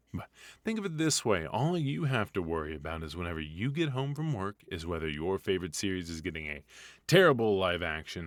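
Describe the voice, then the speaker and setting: A man's voice: low-pitched, dry recording, full character voice. A man playing a smug, doting retired supervillain husband in a comedic ASMR roleplay, theatrical and drawling with a mock-sinister edge. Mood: tender, teasing.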